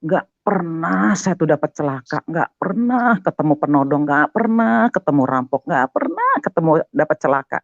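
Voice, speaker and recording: An older man telling his conversion testimony as a guest, animated and talking straight to his listener. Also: fairly high pitch, moderate pace, vocal fry, hardly any pauses, no room sound. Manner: animated, keeps addressing the listener as "Pak". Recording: dull, muffled, dry sound.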